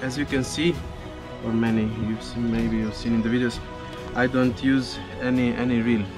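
A man in his thirties walks through his spearfishing setup in English, patient and plain, with the odd small slip. He talks from a small open boat at sea, caught by a camera mounted in the boat, with a steady mid-pitched voice and music playing under him. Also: moderate pace. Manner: non-native English with small slips, patient explaining. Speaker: spearfishing vlogger. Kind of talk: casual explanation to camera.

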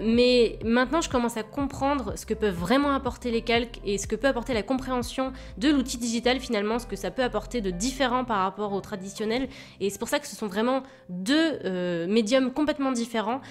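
A woman with a cold and a stuffy nose, chatting casually and hesitantly through a speedpaint voice-over as a digital illustrator. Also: fairly high pitch. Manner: chatty and hesitant, many fillers and restarts. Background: faint background music.

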